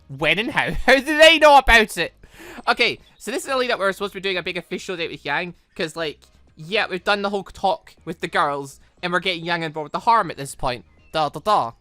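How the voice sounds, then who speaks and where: Bright, animated gaming commentator. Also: medium pitch, no room sound. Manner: animated, rambling, self-questioning asides. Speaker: gaming channel host. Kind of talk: let's play commentary, reading game dialogue aloud. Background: game music.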